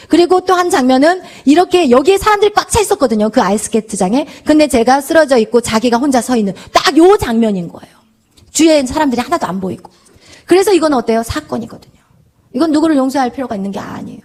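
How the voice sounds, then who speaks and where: A middle-aged woman pastor giving a sermon in Korean, telling a story and acting out the quoted prayers. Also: high voice. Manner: animated, acts out quoted prayers in a child's voice.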